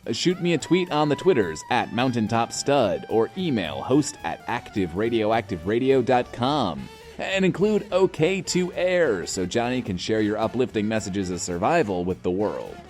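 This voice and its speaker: An actor playing a folksy, showy yet sincere post-apocalyptic radio DJ in an audio drama. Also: male voice, mid-range voice, big pitch swings, normal speed, darkish tone, faint music behind, natural voice. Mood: folksy sign-off. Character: folksy, self-promoting male post-apocalyptic radio show host.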